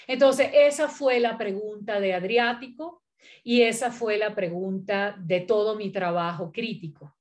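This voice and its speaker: Slow, halting woman poet speaking. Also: medium pitch. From Venezuela. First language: Italian. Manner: thoughtful, halting, many fillers and restarts. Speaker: poet and critic, guest speaker. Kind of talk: academic panel talk.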